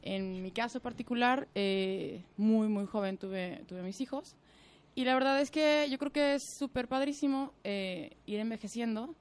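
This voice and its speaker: Smooth-voiced Mexican woman, enthusiastic. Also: fairly high pitch, a little slow. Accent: Mexican Spanish. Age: 30s. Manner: lively, enthusiastic, slangy. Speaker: radio show guest, mother. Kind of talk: casual radio talk.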